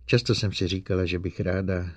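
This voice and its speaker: Guy doing quiet shy lady scientist, breathy, hesitates, deep-ish voice. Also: little pitch movement, no room sound. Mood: wistful. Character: reserved woman scientist, secretly in love.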